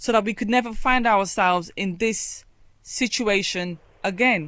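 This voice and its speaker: A plain, everyday voice at a fairly slow pace, with ordinary pitch variation, over a quiet background. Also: woman, medium pitch for a woman. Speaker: radio talk show host. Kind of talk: radio interview questions.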